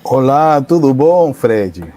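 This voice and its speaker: A man from Peru in his forties, a native Spanish speaker with a Peruvian accent, giving an interview over a video call in a relaxed, somewhat hesitant way. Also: mid-range voice, slow pace, slight background noise. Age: 40s. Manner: relaxed, hesitant, with filler sounds. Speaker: guest. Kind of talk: conversational interview.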